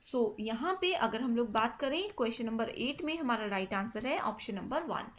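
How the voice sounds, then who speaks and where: Lady teacher going thru exam questions, pretty high voice, keeps saying theek hai. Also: animated, moderate pace, slight background noise. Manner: mixes English terms, frequent "theek hai" check-ins.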